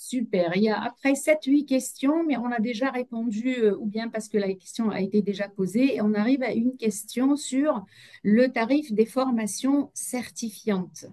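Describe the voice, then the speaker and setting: A woman's voice: on the high side, moderate pace, dark tone. A woman moderating an online webinar, reading out audience questions with frequent hesitations. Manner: hesitant, many fillers.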